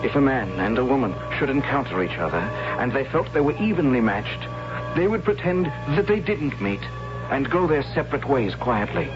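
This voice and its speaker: A man's voice: mid-range voice, very animated, natural voice. A man acting an anxious young tribal warrior, lo-fi. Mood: worried. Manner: dramatic, measured narrating with hesitant asides. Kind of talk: 1970s radio drama acting, first-person storytelling. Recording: dull 1970s radio recording, loud music.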